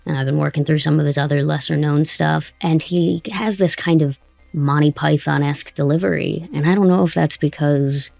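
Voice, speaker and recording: A woman's voice: sits low, steady tone, normal speed, creaky, a little mellow, no room sound. A woman hosting a casual interview, conversational and attentive as she asks questions and comments. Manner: conversational, attentive, with brief acknowledgements. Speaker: interviewer and writer of an audio drama. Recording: close dry sound with music behind. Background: background music.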